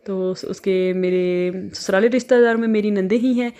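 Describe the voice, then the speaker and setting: A young woman from Pakistan speaks in an easygoing home vlog, her Pakistani Urdu accent plain in every phrase. She talks in a chatty, friendly flow and often pauses on filler sounds while she gathers her thoughts. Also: mid-range voice, fairly even intonation, mellow, clean tone. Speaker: vlogger.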